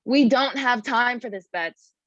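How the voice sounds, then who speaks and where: A woman playing a serious, no-nonsense leader of a secret raid, brisk and commanding, at a screenplay table read. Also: fairly high pitch, no room sound, highs cut off, close to an everyday voice. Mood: urgent, commanding.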